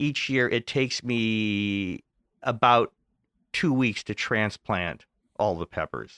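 Heard in a dry, close recording with no echo, a man with an American accent speaks very slowly in a bright, sharp tone. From US Midwest. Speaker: chilli grower and musician. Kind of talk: casual interview chat. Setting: remote call.

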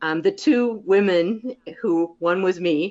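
Using a plain, everyday voice, a woman speaks at a fairly low pitch with ordinary pitch variation. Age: 50s. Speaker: business consultant. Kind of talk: casual chat. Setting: remote call.

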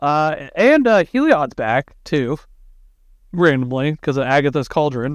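Here is a man with a plain, everyday voice at a fairly high pitch. He speaks at a fairly slow pace with ordinary pitch variation, in a very clean recording with a silent background. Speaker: podcast co-host. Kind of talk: casual chat.

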